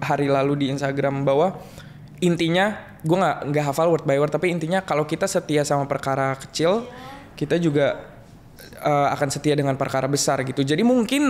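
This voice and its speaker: A young man talking reflectively in a relaxed podcast chat, mixing in jokes. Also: a little high, a little hiss or hum. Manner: reflective, joking, many restarts and slang. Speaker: guest musician.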